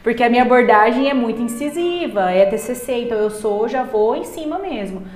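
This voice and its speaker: A woman psychologist chatting on a podcast, blunt and animated, acting out the people she quotes. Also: fairly high pitch, brisk, slight background noise. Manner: animated, blunt, acts out quoted parents and patients. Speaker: psychologist guest. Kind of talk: casual podcast chat. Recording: roomy echo.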